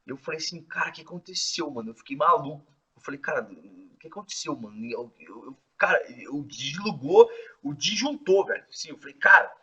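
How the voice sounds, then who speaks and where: A man casually telling his testimony in an excitable, slangy way, full of filler words. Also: on the high side, a little fast, husky. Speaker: host sharing his testimony. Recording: distant, dull lo-fi mic.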